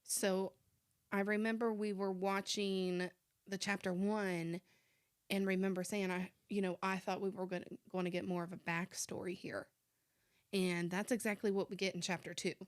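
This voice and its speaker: A woman's voice: medium pitch, flat delivery, normal speed, no echo, studio quality. A woman co-hosting a podcast, giving casual conversational commentary on movies. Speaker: podcast co-host.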